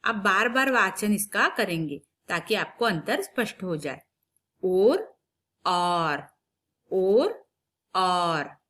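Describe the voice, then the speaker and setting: A woman teacher speaks to young children in a recorded lesson, at an unhurried pace. Her pitch sits in a middle range. She stretches syllables out, repeats each sound again and again for the class to copy, and walks through every point step by step. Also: lively intonation, sharp tone. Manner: patient, explaining step by step. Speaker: primary school Hindi teacher.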